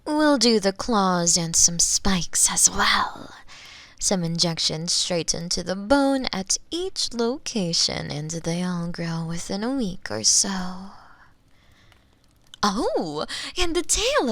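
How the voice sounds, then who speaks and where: A woman acts out a female mad scientist for an ASMR roleplay, recorded very close and dry. She takes her time, with big swoops in pitch and a creaky edge. She sounds doting yet clinical, relishing her work. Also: big pitch swings, dry recording, heavily acted. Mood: musing, clinical. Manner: unhurried, musing, relishing, with soft breathy hums and sighs. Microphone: close binaural microphone, dry.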